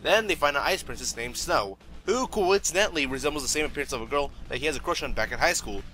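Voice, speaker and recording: A man's voice: on the high side, lively intonation, fast talker, pushed and bright, faint music behind, low-quality recording. A man giving a casual, opinionated video review as host, irreverent, sarcastic and slangy in his delivery.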